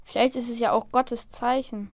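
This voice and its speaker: A woman's voice: a little high, fairly even intonation, normal speed, dry recording, clean studio sound, lightly acted. A woman playing a bullied Jewish schoolboy, hurt and pleading, in an amateur audio drama. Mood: dark, troubled.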